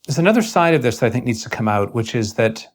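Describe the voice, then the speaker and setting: A man interviewing in an earnest intellectual conversation, speaking in formal academic phrases with a halting, searching delivery. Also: medium pitch, big pitch swings.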